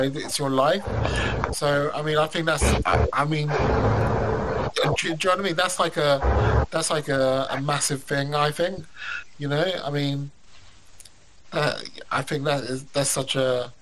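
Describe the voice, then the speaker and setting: Rambling host over loud noise. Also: male voice, a little high, steady tone, normal speed. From London. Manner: rambling, many restarts and "you know"s. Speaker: podcast host. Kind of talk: casual interview.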